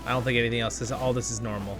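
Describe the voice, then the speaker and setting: A man gives casual, enthusiastic commentary as he plays a game for his channel. He chats to viewers and thinks aloud, in a middle-pitched voice. Music plays clearly behind him throughout. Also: steady tone, rapid-fire. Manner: enthusiastic, chatty, thinking aloud while playing. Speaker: host of a gaming channel.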